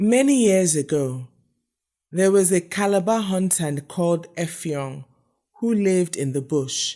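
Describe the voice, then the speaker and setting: Speaking fairly slowly in a Nigerian accent, a woman uses a fairly low pitch, a dark, mellow tone and lively intonation on a very clean recording with a silent background. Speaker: storyteller. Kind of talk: folktale reading.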